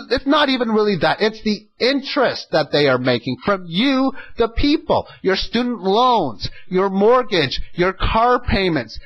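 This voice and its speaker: A man's voice: high-pitched, highs cut off. A man hosting an informal economic commentary, speaking in an opinionated, emphatic way and often posing rhetorical questions. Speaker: host of an economic audio log.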